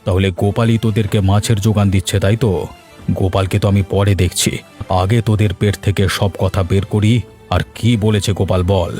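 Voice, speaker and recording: A man's voice: on the low side, flat delivery, brisk, a little mellow, lightly acted. A man voicing a domineering middle-aged village headman, commanding and threatening, for a cartoon. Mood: stern. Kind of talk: cartoon voice acting. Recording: faint music behind.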